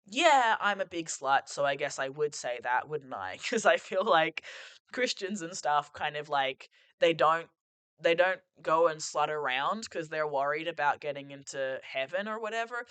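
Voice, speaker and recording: A man's voice: fairly high pitch, animated, moderate pace, sharp tone, smooth, no room sound. A man hosting a podcast as a reflective solo monologue, rambling and musing, full of "like" and "sort of", sitting on a couch at home and losing his voice a bit. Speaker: podcast host.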